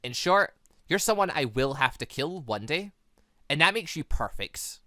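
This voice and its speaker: A man voicing a menacing, manipulative young woman villain in a visual novel, deliberate and coolly playful. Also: fairly high pitch, big pitch swings, pushed and bright, no room sound, studio quality, heavily acted. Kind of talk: visual novel character read-aloud.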